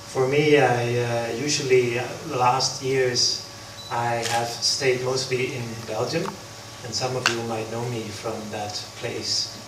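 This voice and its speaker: Slow, halting monk in an echoey hall. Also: male voice, medium pitch, flat delivery. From Netherlands. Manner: halting, many pauses and fillers. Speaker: Buddhist monk giving a talk. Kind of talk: unprepared talk at an interfaith forum. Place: large hall. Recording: echoey hall from far off, background noise.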